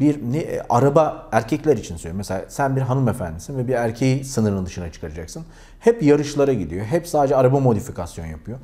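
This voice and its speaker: With a dark, mellow tone, a somewhat breathy man speaks at a fairly quick pace, his pitch swinging very widely. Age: 40. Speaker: online educator. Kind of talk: vlog-style talk to camera. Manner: casual conversational. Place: home room. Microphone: lapel.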